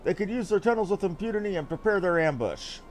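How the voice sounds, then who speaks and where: A stern fantasy knight officer, voiced by a man, worried and formal. His speech is emphatic and swings in pitch, sitting fairly high for a male voice, with faint game music behind. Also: expressive, fast. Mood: grave, urgent. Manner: formal, emphatic, archaic phrasing. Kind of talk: reading game dialogue in character.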